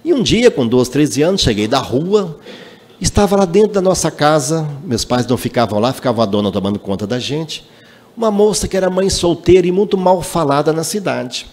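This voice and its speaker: Lively man lecturing. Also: fairly high pitch, a little fast. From Minas Gerais, Brazil. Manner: emphatic, animated storyteller. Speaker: lecturer at a spiritist center. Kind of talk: spiritual lecture with personal storytelling. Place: spiritist center meeting hall. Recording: long hall reverb.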